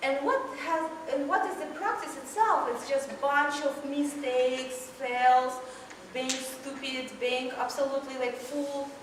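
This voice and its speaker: Someone with a Russian accent speaks at a fairly slow pace. Noticeable background noise and audible room echo fill the recording. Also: woman, high pitch for a woman, ordinary pitch variation. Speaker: motivational speaker. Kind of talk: public speech. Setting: club meeting with audience. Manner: animated.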